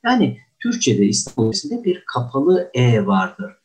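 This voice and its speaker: Huge pitch swings mark this older man's mid-range voice as he lectures on pronunciation at normal speed. A courtly diction teacher, he repeatedly says "efendim" and acts out example words in exaggerated tones.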